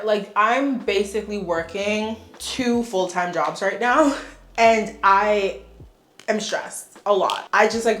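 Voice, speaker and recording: A young woman vlogger chatting casually and frankly while doing her makeup, sounding congested and laughing often. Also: mid-range voice. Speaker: beauty vlogger. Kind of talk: casual get-ready-with-me chat. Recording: echoey room.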